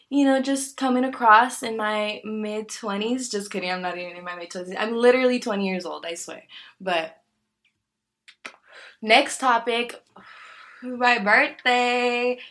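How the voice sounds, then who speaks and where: A woman's voice: mid-range voice, a bit bright. Chatty, candid woman in her twenties. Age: 20s. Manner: chatty, candid, laughs often, many fillers. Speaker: podcast host. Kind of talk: casual solo podcast chat.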